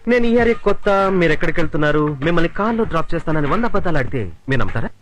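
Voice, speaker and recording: A man's voice: on the high side, lively intonation, racing, natural voice. An actor voicing a teasing, flirtatious man chatting up a woman in a dubbed film scene. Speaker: flirtatious man offering a lift. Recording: film music underneath.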